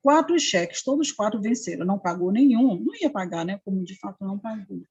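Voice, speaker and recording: A middle-aged woman with an Amapá Brazilian Portuguese accent recounts a personal story, slipping into the voices of the people she quotes. Her voice is husky and a little breathy, at a medium pitch. The recording sounds dull and lo-fi. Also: animated, fairly quick, mellow. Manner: earnest storytelling, acting out quoted dialogue. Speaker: interviewee. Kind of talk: personal testimony.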